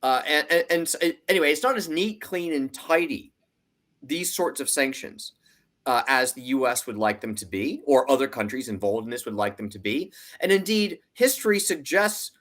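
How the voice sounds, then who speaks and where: A man's voice: mid-range voice, animated, normal speed, a bit bright. A man giving conversational analytical commentary as a financial analyst, explaining emphatically and acting out hypothetical arguments.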